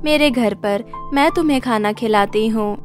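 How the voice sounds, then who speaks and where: A woman's voice: fairly high pitch, moderate pace, faint music behind, pitched below the performer's own voice, natural voice. A woman voicing a poor, kind-hearted young girl who sells lipstick on the street in a cartoon moral story, speaking sweetly and earnestly. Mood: tender, caring. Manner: pleading, sweet street-seller patter.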